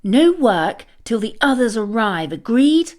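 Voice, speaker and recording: A woman's voice: on the high side, very animated, unhurried, darkish tone. A woman voicing a bold, fibbing young girl caterpillar in a children's storybook, breezy and playful.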